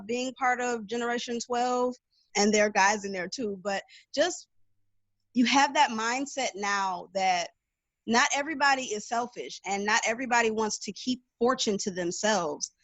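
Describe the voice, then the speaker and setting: A woman's voice: fairly high pitch, no room sound. An American woman talking as a panelist in a casual motivational chat, earnest and supportive. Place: at home on an online video panel, windows open.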